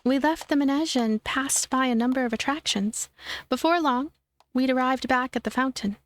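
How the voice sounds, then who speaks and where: A woman doing expressive story narration for a visual novel let's play. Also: high-pitched, moderate pace, slight background noise. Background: game music.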